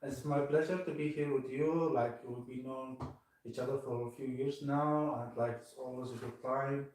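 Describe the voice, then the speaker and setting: A man's voice: mid-range voice, steady tone, normal speed, a little mellow. Guy from syria, guest on a podcast, lots of uh and like, sounds far off in an echoey room. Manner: hesitant, lots of fillers. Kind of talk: casual interview.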